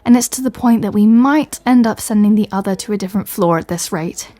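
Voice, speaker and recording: A woman's voice: mid-range voice, brisk, warm tone, dry recording, close to an everyday voice. A woman playing a sardonic, fed-up superhero in a comedy audio roleplay, speaking in a dry way. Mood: polite, awkward. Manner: dry, irritated, sarcastic.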